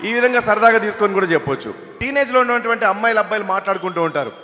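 Quick bright male mimic on stage. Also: high voice, some chatter behind. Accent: Telugu. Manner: quick and animated. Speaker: mimicry artist. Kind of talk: stand-up mimicry act. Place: stage at a film launch event. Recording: reverberant stage hall.

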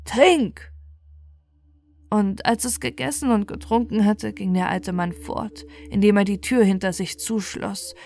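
A woman's voice: mid-range voice, fairly even intonation, moderate pace, gravelly, hardly any pauses, darkish tone. A woman reading a scripted bedtime fairy tale as its narrator.

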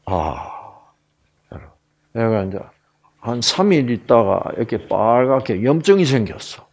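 A middle-aged man with a mid-range voice gives a health lecture in an unhurried way. He tells a personal story with animated flair, acting out the voices of the people in it.

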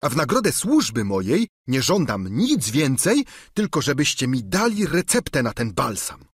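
A man's voice: mid-range voice, wildly swooping pitch, moderate pace, husky, dry recording, studio quality, pitched above the performer's own voice. Man doing an eager peasant squire. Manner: eager, pleading. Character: simple peasant squire, eager and plain-spoken. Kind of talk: audiobook character reading.

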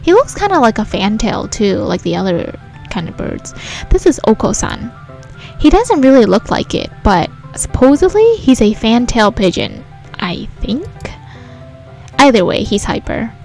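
A woman's voice: on the high side, big pitch swings, measured pace, creaky, a little mellow. A woman hosting a let's play, reading a visual novel aloud and adding casual commentary. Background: game music.

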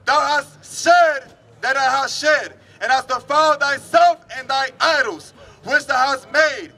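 Very high, piercing male scripture reader. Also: bright, forceful tone. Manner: declamatory, drawn-out phrasing. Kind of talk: loud declaimed Bible reading.

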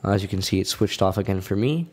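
A man with a fairly low voice hosts a tech tutorial. He explains things step by step in casual, informal language, as someone guiding viewers through a how-to. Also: expressive, quick pace, darkish tone.

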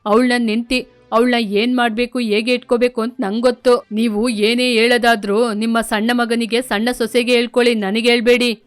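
Woman as a bullying adult son, gruff lowered voice, curt, storybook. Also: steady tone, moderate pace, faint music behind, close to an everyday voice. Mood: defiant. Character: rude drunken grown son, man, domineering.

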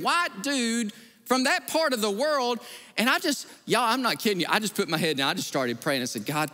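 A man preaching from the pulpit, his voice high and bright, leaping up and down in pitch as he acts out each voice in his story. The sound carries a long reverb from a large church sanctuary. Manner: animated storytelling, acting out quoted voices. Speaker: pastor. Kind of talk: sermon.

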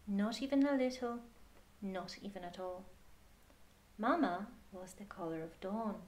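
A woman reading a picture book aloud to children in a measured, expressive way with pauses. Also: mid-range voice, a little hiss or hum. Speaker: storyteller.

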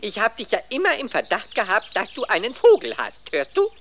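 A woman's voice: mid-range voice, wildly swooping pitch, a little fast, a little hiss or hum. A woman voicing a fussy, timid male drone bee in a cartoon, fretting and scolding. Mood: fretful. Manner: fretful, scolding, chatty. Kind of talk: cartoon voice acting.

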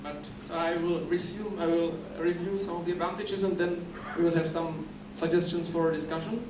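Recorded from far off on a camera, the podium mic of this dim lecture hall gives noisy, echoey sound. A young Czech-speaking man from the Czech Republic presents at a conference, his voice on the high side, with fairly even intonation and a normal pace. He keeps repeating words and restarting while explaining.

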